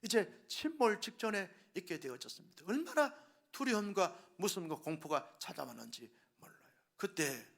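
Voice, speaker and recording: Dramatic high-voiced preaching man. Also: sing-song, moderate pace, creaky. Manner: dramatic storytelling, acting out quoted voices; swings between hushed whispers and loud exclamations. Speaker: pastor. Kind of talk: sermon.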